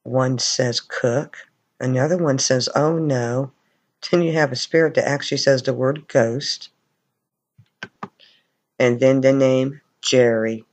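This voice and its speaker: A man's voice: mid-range voice, fairly even intonation, slow, pauses often. A man commenting on recordings of spirit voices as a paranormal investigator.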